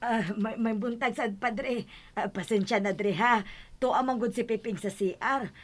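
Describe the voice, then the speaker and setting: A woman's voice: fairly high pitch, normal speed, lightly acted. An actress playing a flustered, teasing village woman in a radio drama comedy, with a Bisaya accent. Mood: sheepish.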